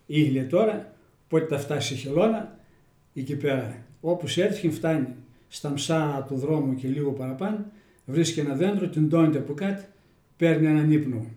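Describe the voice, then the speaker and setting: A man with a Kozani accent telling village folk tales in a homely, folksy way. His voice is mellow and dark, a little higher than usual for a man. The room is roomy and echoey. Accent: Kozani Greek dialect. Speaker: storyteller interviewee.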